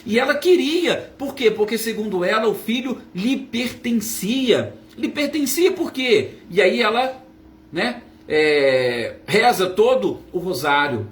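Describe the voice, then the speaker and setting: A man's voice: high voice, very animated, slow pace. A man leading a Spiritist study talk, explaining and asking and answering his own questions. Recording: roomy echo, faint ambience.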